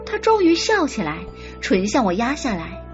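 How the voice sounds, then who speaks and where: A woman's voice: a little high, wildly swooping pitch, moderate pace, muffled recording, music in the background. A woman narrating a romance audiobook expressively, acting out the heroine's lines.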